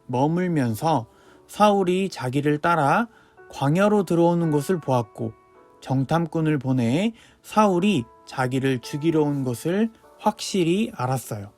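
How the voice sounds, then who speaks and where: Male children's preacher, higher voice, lively storyteller, soft music underneath.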